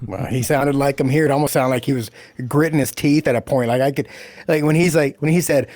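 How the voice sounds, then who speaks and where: A man's voice: medium pitch, fairly quick, no echo. A man chatting casually and effusively, telling stories and acting out reactions as he goes. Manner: effusive, animated storytelling, quoting reactions. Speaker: audio drama producer and sound editor. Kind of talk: casual chat.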